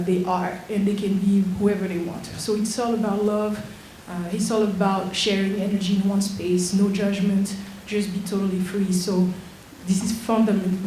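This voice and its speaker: A woman from Switzerland, not a native English speaker, talks slowly and earnestly at a mid pitch, pausing between phrases. Her voice rings through an echoey theater with faint noise behind it. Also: dark tone. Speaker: dancer and performer. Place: theater auditorium.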